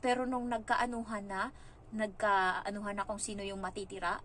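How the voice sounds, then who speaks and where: A young woman from the Philippines telling her story casually as a vlogger, chatty and animated, acting out other people's lines in passing. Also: medium pitch, moderate pace, slight background noise.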